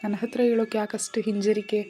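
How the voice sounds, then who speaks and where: A woman's voice: medium pitch, level tone, a little fast, mellow, slight background noise, lightly acted. A woman voicing a sensitive, easily hurt young wife in a storybook reading, with a pleading, sulky manner.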